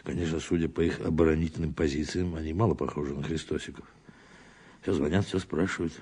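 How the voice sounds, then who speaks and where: An actor playing a weary police boss under pressure in an audio drama, official and grumbling in manner. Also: male voice, extremely low pitch, steady tone, fast talker, darkish tone, breathy edge. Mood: weary, needling. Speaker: police chief. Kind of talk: Russian audio drama acting.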